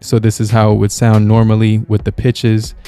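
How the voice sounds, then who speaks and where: A man giving a relaxed, casual product review, talking with many halting fillers. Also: fairly low pitch, smooth, soft background music. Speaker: gear reviewer. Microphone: podcast mixer with microphone.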